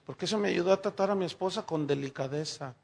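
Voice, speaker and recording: A middle-aged man, preaching a sermon and telling lively stories while speaking directly to the congregation. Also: high-pitched, fast talker, vocal fry. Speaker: pastor.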